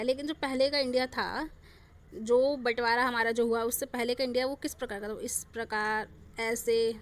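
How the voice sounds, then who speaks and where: Higher-pitched woman teaching a class. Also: slight background noise. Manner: explains step by step, addressing students directly; restarts and corrects words while teaching. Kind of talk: online class lecture.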